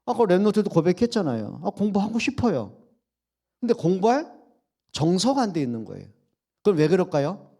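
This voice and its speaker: A middle-aged man preaching a Sunday sermon, with a mellow, warm tone pitched a little above most men. He puts questions to the congregation, answers them himself, and acts out quoted speech in his own voice. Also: very animated, fairly quick. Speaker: pastor. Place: church sanctuary.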